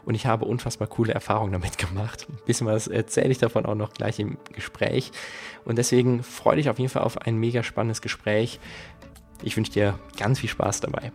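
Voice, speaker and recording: A man's voice: on the low side, steady tone, brisk, faint music behind. An enthusiastic man hosting a podcast interview, speaking in an upbeat, eager way. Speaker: podcast host.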